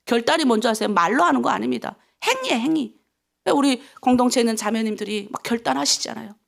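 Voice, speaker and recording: A middle-aged woman preaching at a dawn prayer service in a high, gravelly voice. She swings from loud, urgent pleading down to low, hushed near-whispers as she presses her listeners. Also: expressive, fast talker. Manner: acts out quoted prayers and vows. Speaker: pastor. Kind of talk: early-morning prayer sermon.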